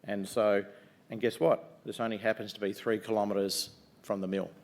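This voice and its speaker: Loud middle-aged Kiwi man pitching investors. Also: flat delivery, normal speed. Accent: New Zealand. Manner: upbeat, conversational pitch with frequent ums and uhs. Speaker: mining company executive presenting to investors. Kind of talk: investor conference presentation.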